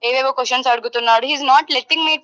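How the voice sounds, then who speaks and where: Young woman, high pitch, quick pace, loud insistent delivery, repetitive, English mixed in, heated caller. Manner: loud, insistent, repeats herself. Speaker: caller giving her side of a dispute. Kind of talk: heated phone interview, Telugu mixed with English.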